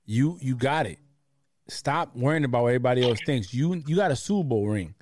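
A man hosting a casual sports chat, talking in an animated, slangy way and often repeating words. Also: medium pitch, a little fast. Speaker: podcast host.

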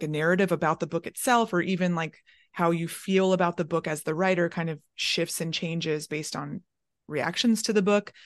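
A woman interviewing an author, talking casually with lots of "like" and "um" and giving soft agreement sounds while her guest speaks. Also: on the low side, no echo, clean studio sound. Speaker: podcast interviewer. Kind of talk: conversational interview.

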